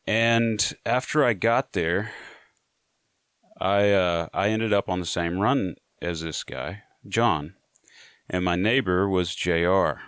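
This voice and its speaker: A man's voice: deep voice, a bit bright, smooth, dry recording, studio quality. A man telling a prison story to his viewers in a casual, laid-back way, often saying "you know". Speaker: storyteller sharing prison stories.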